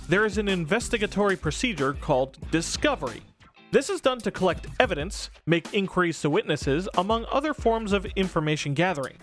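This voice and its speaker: A man with a high, lively voice delivers casual scripted game commentary. His pitch swings widely and his manner is irreverent and informal, with swearing. Soft music plays behind him. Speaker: video game reviewer. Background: background music.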